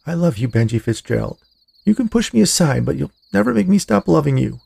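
A man's voice: a little high, big pitch swings, fairly quick, creaky, a little mellow, slightly rough, voice pushed up, heavily acted. A man voicing a lovestruck, stubborn young college woman in a narrated story, speaking with earnest insistence. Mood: anguished. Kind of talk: storybook character dialogue in narration.

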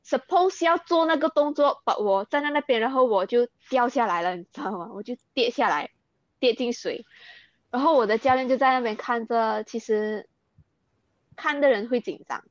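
A woman's voice: fairly high pitch, normal speed, dry recording, dull audio. A young Malaysian woman speaking Mandarin with a Malaysian accent, earnestly recounting things in an interview and mixing in English words. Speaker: interview guest, athlete. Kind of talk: candid interview.

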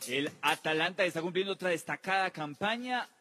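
A man's voice: high-pitched, animated, a little fast, bright, forceful tone, faint music behind. A man presenting an international football news round-up, with emphatic delivery and stretched words. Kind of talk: sports news round-up narration. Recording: long reverb on the voice.

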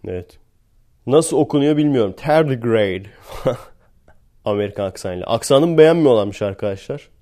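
A man's voice: mid-range voice, lively intonation, quick pace, dark tone. A man from Turkey hosting a podcast, talking in a chatty, sarcastic, rambling way and often laughing. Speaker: podcast host. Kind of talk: casual podcast monologue.

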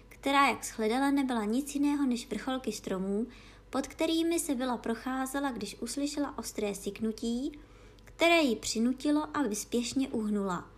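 A woman reading a storybook chapter aloud for children, clear and measured. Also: fairly high pitch.

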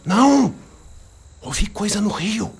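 An actress playing a sharp-tongued, stubborn, teasing backcountry gunwoman in a radio drama. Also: medium pitch, very animated, slow, soft background music. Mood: ominous, hushed. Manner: teasing, colloquial, defiant.

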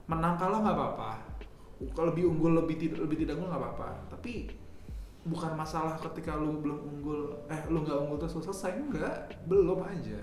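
A man's voice: fairly high pitch, brisk, darkish tone, slight background noise. A man hosting a casual podcast, slangy and laughing often. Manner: slangy, laughs often, talks to listeners as guys. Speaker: podcast host. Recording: echoey room with faint ambience.

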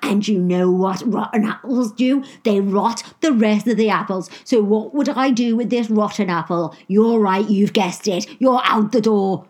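A man's voice: high voice, a little slow, hardly any pauses, a little mellow. A woman doing a stern preachy shop manager. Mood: scolding.

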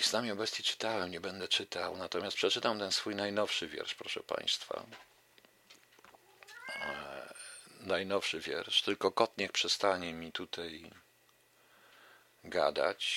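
Radio host and poet, male, bright edgy tone, dry close sound, declaims verse then chats to listeners. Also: low-pitched, no room sound. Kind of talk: poetry reading with casual asides.

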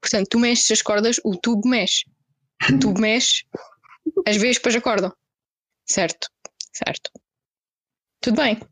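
A young woman with a European Portuguese accent, casually telling friends a story in slangy, animated style with acted-out quotes. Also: on the high side, unhurried, long pauses, breathy edge, no room sound.

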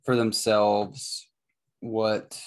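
A woman co-hosting a podcast, talking casually, slowly searching for her words. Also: rumbling low, flat delivery, a little mellow. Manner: slow, hesitant, searching for words. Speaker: podcast co-host. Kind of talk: casual chat. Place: room, sitting far from the mic.

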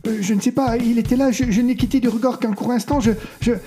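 A man's voice: extremely high pitch, fairly even intonation, fast, dark tone, faint music behind, pitched above the performer's own voice. A man voicing a young female care aide who stammers in panic. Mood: panicked.

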